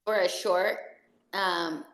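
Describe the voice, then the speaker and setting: A woman's voice: fairly low pitch, steady tone, takes it slowly, fairly bright tone, reverberant, poor audio. A woman from El Salvador, an actress, chatting casually and rambling with many fillers and restarts. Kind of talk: casual video chat.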